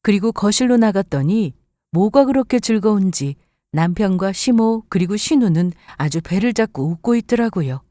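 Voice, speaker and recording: A woman's voice: medium pitch, expressive, normal speed, warm tone, no room sound, clean studio sound. A woman narrating a first-person story for a story radio channel, voicing her own lines expressively.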